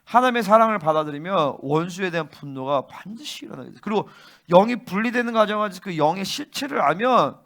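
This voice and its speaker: A male pastor preaching a fervent sermon and often pressing his listeners with quick questions. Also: high-pitched, gravelly, a bit bright. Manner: fervent, keeps prompting listeners with "응?".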